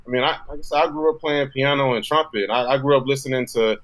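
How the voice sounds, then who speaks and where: A laid-back man from Texas talks as a guest on an interview podcast. His pitch sits in an ordinary middle range. He swears freely and keeps restarting his phrases as he thinks aloud. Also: steady tone, fast talker, a bit bright, rough recording. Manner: laid-back, profane, restarts words often. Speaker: guest musician.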